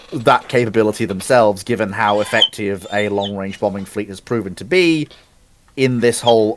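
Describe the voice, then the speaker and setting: A man's voice: lowish voice, background noise. A man in a live debate on military procurement, earnestly building his argument step by step.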